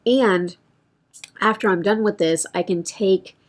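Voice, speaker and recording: A woman's voice: mid-range voice, slow. A woman beauty vlogger chatting casually through a product update, thinking aloud and correcting herself, with a voice that feels a bit strained.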